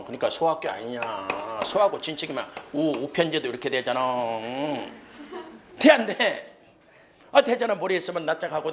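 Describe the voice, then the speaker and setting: A man teaching an exam-prep history class in a cram school lecture room. He keeps firing quick questions at the students, shouts punchy "eh?" checks and uses jokey memory tricks. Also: medium pitch, background noise.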